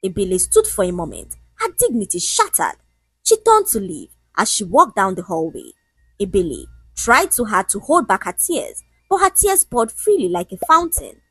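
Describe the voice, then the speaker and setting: Husky woman narrating a story. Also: medium pitch, normal speed, no echo, poor audio. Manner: dramatic, expressive.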